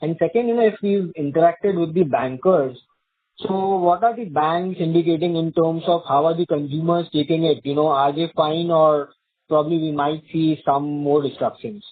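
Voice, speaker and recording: Slightly high-voiced man on phone line. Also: moderate pace. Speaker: financial analyst asking questions. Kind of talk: questioning on an earnings call. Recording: thin, narrow phone line.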